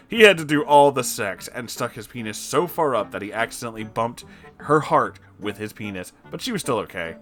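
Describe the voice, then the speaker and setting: A man's voice: medium pitch, fairly bright tone. A man hosting a comedic reading of fan fiction, breaking off into incredulous, amused asides. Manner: breaks into laughter, exclaims in disbelief.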